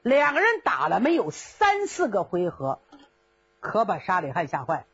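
A woman telling a traditional story in brisk, vivid narration. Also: medium pitch, huge pitch swings, fairly bright tone, slightly rough, highs cut off.

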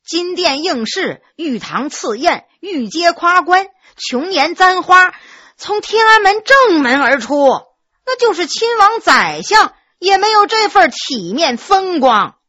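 A woman's voice: extremely high pitch, big pitch swings, measured pace, bright, forceful tone, no echo, highs cut off, pitched above the performer's own voice, exaggerated voice. A woman voicing a dazed, self-important newly crowned male top scholar who rambles. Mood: pompous.

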